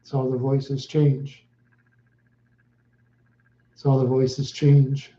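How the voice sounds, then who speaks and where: Slow-talking man, roomy and lo-fi. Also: medium pitch, monotone, warm tone. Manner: slow, halting, repeats short answers. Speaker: livestreamer. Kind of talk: live stream chat with viewers.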